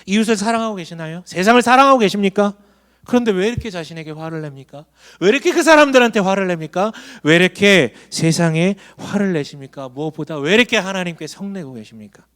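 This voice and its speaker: High-voiced Korean pastor preaching. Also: male voice, animated, fast talker, fairly bright tone, clear, resonant tone. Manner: emphatic, asks the congregation questions. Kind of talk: sermon. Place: church hall.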